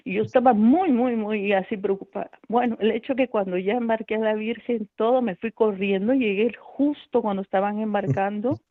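A woman's voice: medium pitch, moderate pace, few pauses, no room sound. A middle-aged woman, a radio volunteer, tells a personal story over the phone. She speaks with feeling, calls herself a nervous person, and acts out the voices of the people she quotes. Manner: self-described nervous, anxious speaker. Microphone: telephone. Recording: tinny dry phone line.

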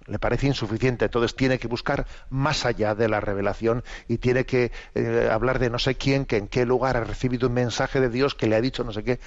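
Man, religious commentary host, measured and teacherly, frequent tag questions, mid pitch, slightly dull lo-fi radio sound. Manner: explanatory, teacherly, with rhetorical questions.

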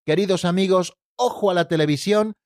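A man hosts a Catholic radio program, walking his listeners through the catechism in an earnest, teacherly way. He addresses them directly as friends. His voice sits on the higher side and sounds dry and close. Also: fairly quick, darkish tone, no room sound.

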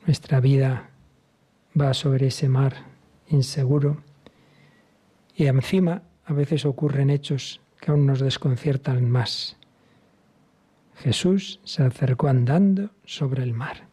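A man from Spain preaching a sermon as a priest, speaking earnestly and emphatically and sometimes dropping to a hushed whisper. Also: medium pitch, slow pace, pauses often, husky. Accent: Spain Spanish.

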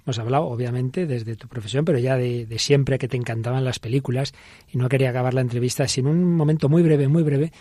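A man with an accent from Spain, hosting a conversational interview in a gentle, reflective manner. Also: mid-range voice, steady tone, fast talker, dry recording. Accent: Spanish, from Spain. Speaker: interview host, priest.

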